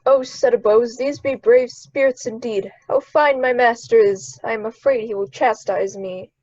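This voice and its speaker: A woman's voice: on the high side, fairly even intonation, normal speed, a little mellow, no echo, highs cut off, close to an everyday voice. A woman playing a fearful, fawning servant monster in a Shakespeare radio play. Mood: awed, fearful.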